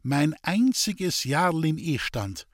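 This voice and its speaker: A man's voice: a little high, sing-song, takes it slowly, dry recording, studio quality, voice pushed up, full character voice. A man voicing a weary, bitter old village woman speaking in Bavarian dialect in a storybook reading. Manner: plaintive, bitter, resigned.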